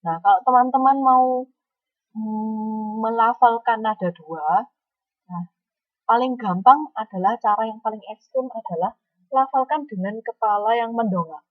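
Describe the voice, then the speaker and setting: A woman's voice: fairly high pitch, unhurried, dry recording, phone-quality sound. A woman teaching a Mandarin lesson online, speaking patiently and often adding a questioning "ya".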